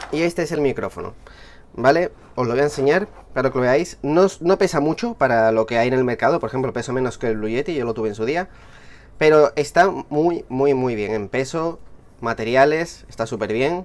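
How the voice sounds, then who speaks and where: With ordinary pitch variation, this man speaks at a moderate pace. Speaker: tech reviewer. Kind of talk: product review commentary. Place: home room.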